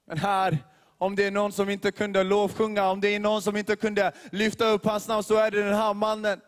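A youth leader preaches a sermon to a gathering in a high voice that stays in a narrow, level band, with a completely flat delivery. He hammers his points with emphatic repetition and rhetorical questions while the long reverb of a large church hall trails each phrase.

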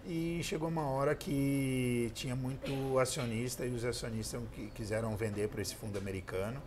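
A man in his thirties with a Brazilian Portuguese accent, an entrepreneur and speaker, answers interview questions earnestly, as if telling a story. His medium-pitched voice holds a steady tone at a moderate pace, with background noise on the pink-decorated indoor studio set.

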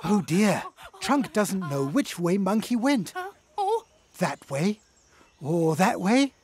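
A woman narrating a cartoon for small children in an expressive storybook style, with exclamations and simple questions. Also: mid-range voice, slow pace, a little hiss or hum.

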